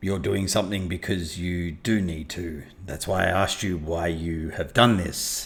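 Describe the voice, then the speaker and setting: A man puts on a raspy character voice with a very deep, low pitch, delivered at a moderate pace. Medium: actual play. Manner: blunt, literal.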